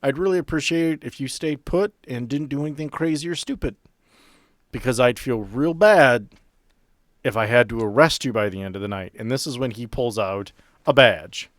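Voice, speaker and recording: A man's voice: medium pitch, normal speed, no echo, studio quality. A man playing a tabletop roleplaying game, bantering casually and wryly in character.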